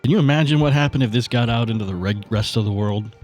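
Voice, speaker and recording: A man talking casually as a player at a tabletop game, halting and repeating his words as he thinks aloud. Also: medium pitch, darkish tone, faint music behind.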